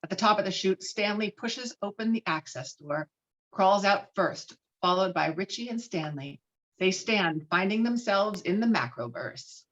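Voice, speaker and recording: Woman narrating a script at an online table read, expressive storyteller style, kinda dull lo-fi sound. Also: mid-range voice, a little slow. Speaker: stage directions reader at a table read. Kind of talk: dramatic screenplay narration. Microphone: video call.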